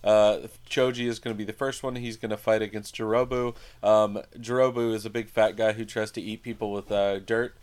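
A man co-hosting a podcast, recapping casually in a halting, hesitant way with dry jokes slipped in. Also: lowish voice, little pitch movement, a little mellow, clean tone. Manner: hesitant, halting, dryly joking. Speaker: podcast co-host.

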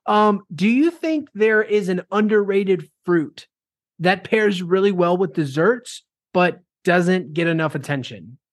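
A man's voice: high-pitched, lively intonation, unhurried, no echo. Upbeat host man, dry close sound. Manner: upbeat, repeats "I love it", fillers. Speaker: podcast host. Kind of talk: casual interview hosting.

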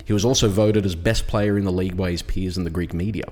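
Lower-voiced Australian man hosting a podcast. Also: fairly even intonation, fast talker, darkish tone, long reverb tail. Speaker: podcast host. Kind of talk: casual chat, introducing a guest.

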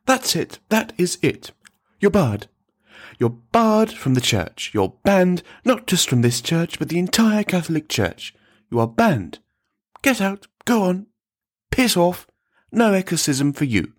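Man playing a high-pitched, pompous stern priest. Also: sing-song, normal speed, husky. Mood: angry. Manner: emphatic, repetitive, haughty refusals.

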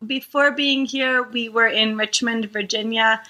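A woman's voice: on the high side, a little slow. A woman from Costa Rica, a guest in ministry, talking casually with fillers like "like". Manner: relaxed, conversational, uses filler "like". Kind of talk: casual interview chat.

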